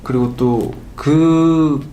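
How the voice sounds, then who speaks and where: A young man speaks very quickly in an earnest, reflective way. His voice rings in an echoey room, with noise clearly heard behind him. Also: a little high, steady tone, dark tone. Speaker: K-pop idol. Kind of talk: casual chat.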